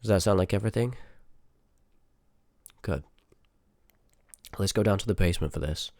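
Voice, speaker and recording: A man's voice: low-pitched, moderate pace, darkish tone, dry recording. A man playing a rude, sardonic, curious sorcerer in a fantasy ASMR audio roleplay, with dry banter spoken straight to the listener. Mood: businesslike. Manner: sarcastic, dry banter with muttered asides.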